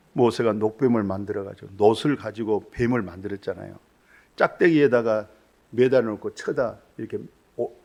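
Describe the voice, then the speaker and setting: A male pastor delivers a sermon in a church, his voice sitting at an ordinary middle pitch. He lurches between ringing exclamations and near-whispered asides, and he keeps pressing the congregation with rhetorical questions. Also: a little mellow.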